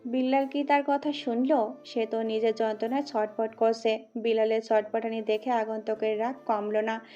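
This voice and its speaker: A woman narrating a dramatic audio story with steady, scripted storytelling. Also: fairly high pitch, normal speed. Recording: muffled audio with background music.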